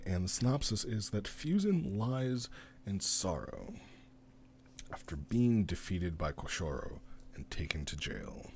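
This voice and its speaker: A man with a very low-pitched voice gives casual commentary in the manner of a streamer. He explains things conversationally, like an animated storyteller walking listeners through a tale. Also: a little hiss or hum. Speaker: streamer reviewing roleplay stories.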